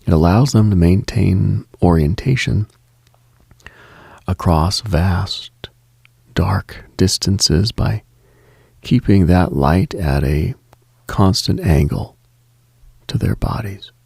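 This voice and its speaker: A man hosting late-night radio with a slow, reflective monologue, measured and contemplative with deliberate pauses. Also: low voice, creaky, mellow, breathy edge, no room sound, clean studio sound.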